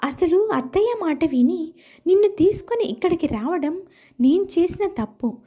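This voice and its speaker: A woman's voice: very high-pitched, expressive, moderate pace, mellow, voice pushed up. A woman voicing a reproachful, status-conscious elder daughter-in-law who chides others in a family story. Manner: chiding.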